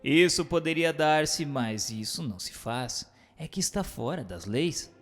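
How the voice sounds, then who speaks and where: A man's voice: a little high, animated, unhurried, soft background music. A man giving a formal, declamatory scripted reading as a narrator, in a question-and-answer style. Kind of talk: scripted dramatized reading of a spiritist book.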